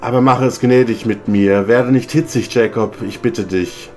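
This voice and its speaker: A man's voice: mid-range voice, steady tone, moderate pace, darkish tone, soft background music, natural voice. A man voicing a frightened old miserly businessman, pleading anxiously.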